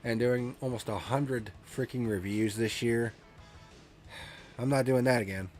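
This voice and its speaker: A man's voice: medium pitch, measured pace, a little mellow, soft background music. A man hosting a racing review show, talking casually with a blunt, profane, ranting manner, and sounding congested from a cold.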